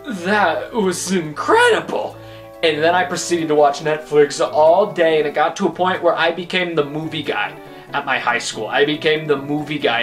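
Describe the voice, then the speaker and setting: A man's voice: a little high, fairly bright tone. A man in his twenties, the host of his own vlog, answering questions about himself in a joking, rambling way. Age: 20s. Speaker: YouTube host. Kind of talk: casual vlog Q&A.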